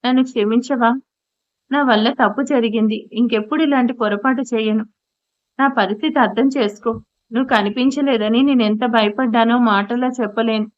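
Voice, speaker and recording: A woman's voice: a little high, fairly even intonation, moderate pace, close to an everyday voice. A woman voicing an anguished young husband who pleads and then demands answers. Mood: pleading. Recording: dull lo-fi audio.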